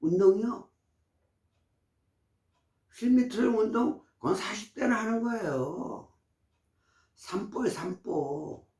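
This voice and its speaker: A man's voice: high voice, slow pace, long pauses, a little mellow. A man in his sixties giving health advice in casual, emphatic, preachy talk to camera. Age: 60s. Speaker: vlogger. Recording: roomy echo.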